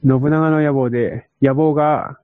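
A man's voice: mid-range voice, steady tone, a little slow, no echo, phone-quality sound. A man who is a guest on a casual podcast chat, teasing the host and laughing often.

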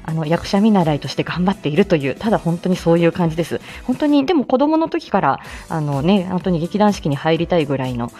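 Chatty woman in her forties, lowish voice. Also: sing-song, fast, few pauses, dark tone, soft background music. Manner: chatty and humble, laughs often, many fillers. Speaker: live-stream host. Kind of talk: casual live-stream chat with listeners.

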